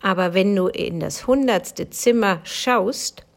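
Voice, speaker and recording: A woman's voice: medium pitch, slow, creaky. A woman reading as a stern fairy-tale woman in black. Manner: cold, commanding, threatening.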